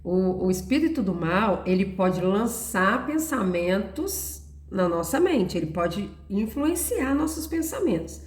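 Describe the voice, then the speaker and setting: A woman's voice: medium pitch, sing-song, unhurried, a little mellow. A woman giving an earnest, storytelling Christian testimony, sharing her faith in a personal talk. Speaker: Christian devotional speaker. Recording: roomy echo.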